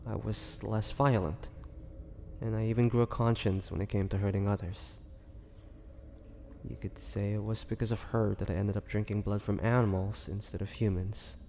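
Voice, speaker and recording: A man playing a melancholy half-vampire, confiding his past slowly and haltingly in a dramatic audio roleplay monologue. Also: fairly low pitch, steady tone, vocal fry, warm tone. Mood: wry, reflective. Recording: long reverberant hall, faint noise.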